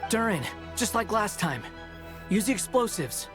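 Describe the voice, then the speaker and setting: Curt, pragmatic game companion, lightish pitch. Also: male voice, big pitch swings, unhurried, over music. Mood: urgent. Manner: curt, matter-of-fact. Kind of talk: video game voice acting.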